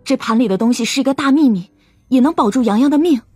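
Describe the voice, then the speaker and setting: A woman's voice: high-pitched, quick pace, a little mellow, breathy edge, no echo, faint music behind. A woman playing an earnest, guarded, grieving young woman in an audio drama. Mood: sad, earnest.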